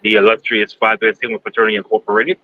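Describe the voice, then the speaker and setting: Halting man guest, lo-fi sound. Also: fairly low pitch, flat delivery. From United States, Kentucky. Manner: halting, many ums, plainspoken. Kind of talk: interview answers. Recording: dull lo-fi sound, faint background noise.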